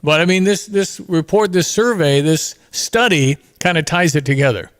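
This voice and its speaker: High-pitched male radio host. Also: normal speed, fairly bright tone, clean tone. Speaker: radio morning show host. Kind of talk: live radio interview, casual chat.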